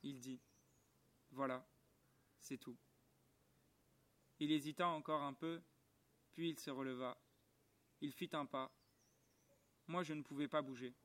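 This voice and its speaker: A man reading a storybook aloud in a calm, measured, quietly moved way, recorded outdoors at the bottom of a garden. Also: on the high side. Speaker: reader.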